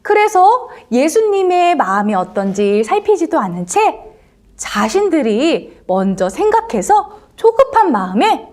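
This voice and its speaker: A woman preaching a storytelling sermon to young children, in an animated, sing-song way. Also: high voice, a little slow. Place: church, recorded for online service.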